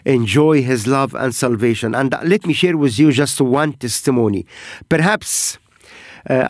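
A man's voice: medium pitch, no room sound, clean studio sound. Earnest man hosting ministry talk. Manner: earnest, halting phrasing with frequent pauses. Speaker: ministry program host. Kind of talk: broadcast ministry talk, sharing testimonies.

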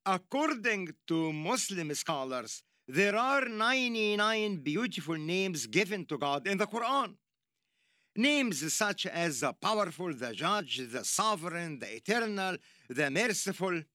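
Slow, lively Egyptian-accented preacher. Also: male voice, high-pitched, no echo, clean studio sound. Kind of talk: sermon.

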